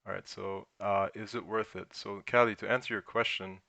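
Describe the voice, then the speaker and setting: Stream host, German-born man, German first language, low and gravelly, thinks aloud while answering the chat. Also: fairly even intonation, moderate pace, bright, forceful tone, no room sound. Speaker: crypto livestream host. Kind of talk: casual livestream Q&A.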